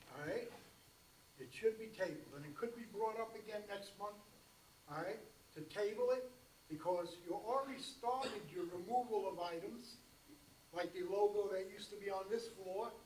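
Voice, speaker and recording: Amid noticeable background noise and audible room echo, a high-pitched man speaks at a moderate pace with ordinary pitch variation, big swings in loudness, and long, frequent pauses. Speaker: community member at board meeting. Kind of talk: public comment.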